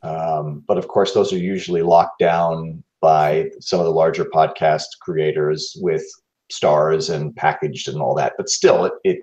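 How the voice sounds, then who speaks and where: A man speaking as a guest voice actor in a reflective interview, halting and thoughtful, repeating words as he searches for the next phrase. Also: extremely low pitch, fairly even intonation, a little mellow, roomy sound, muffled recording.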